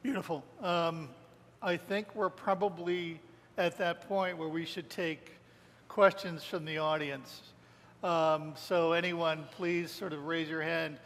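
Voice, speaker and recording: A man's voice: a little high, steady tone, takes it slowly, a bit bright. A man moderating an on-stage conversation, asking long, hesitant questions and inviting the audience to ask. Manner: rambling, hesitant phrasing. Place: lecture hall with audience. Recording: reverberant hall, faint noise.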